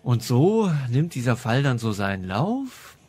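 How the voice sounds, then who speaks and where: Reviewing audio dramas on his podcast, a man keeps things chatty and enthusiastic, laughing readily as he goes. He speaks at a measured pace in a mid-range, sing-song voice that is a little mellow and breathy.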